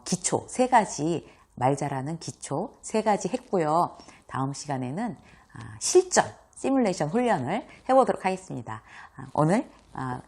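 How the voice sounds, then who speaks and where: A woman hosting her own lesson on speaking well, talking straight to viewers in a lively way and acting out examples with frequent laughs. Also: low voice, slightly rough. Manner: animated, acts out examples, laughs often. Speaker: host and workplace communication coach. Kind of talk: talking-head lecture.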